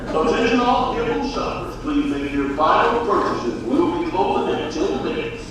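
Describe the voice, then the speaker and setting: An actor playing a department store announcer who makes a formal closing-time announcement over the store loudspeaker. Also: male voice, a little high, big pitch swings, moderate pace. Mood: announcing. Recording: echoey distant store loudspeaker.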